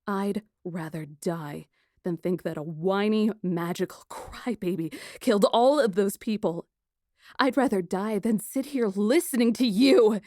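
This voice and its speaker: A woman playing a feisty, sarcastic young white mage in an audiobook, defiant, sharp-tongued and scornful. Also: medium pitch, measured pace, no room sound, clean studio sound, natural voice. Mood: contemptuous. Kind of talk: audiobook dialogue acting.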